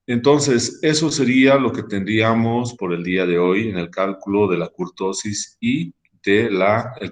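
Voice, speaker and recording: A man explaining statistics while working through code on screen, thinking aloud with frequent fillers and tag questions. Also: medium pitch. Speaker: statistics instructor. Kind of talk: screen-recorded coding tutorial.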